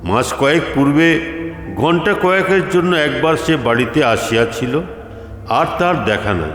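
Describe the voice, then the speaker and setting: Slow male storyteller in reverberant sound. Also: on the high side, expressive, a bit bright. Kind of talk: scripted literary story narration. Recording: echoey reverberant room, music behind.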